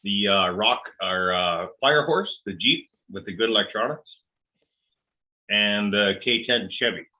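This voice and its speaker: A man's voice: fairly low pitch, a little slow. A man in his forties from Canada, chatting casually in a rambling, self-deprecating way, with a dusty cough in his throat. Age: 40s. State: coughing, sore lungs from dust. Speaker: host. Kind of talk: casual chat. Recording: tinny phone-like call audio.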